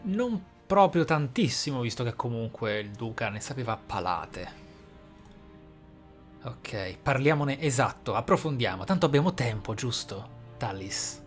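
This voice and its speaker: A man's voice: medium pitch, very animated, normal speed. Italian male streamer, casual and exclamatory game commentary, music underneath. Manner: reactive, exclamatory asides. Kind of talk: casual Let's Play commentary. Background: video game music and dialogue.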